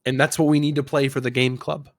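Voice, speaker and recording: A man's voice: mid-range voice, little pitch movement, quick pace. A man co-hosting a casual gaming podcast, talking insistently and often repeating his phrases to get his point in. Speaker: podcast co-host.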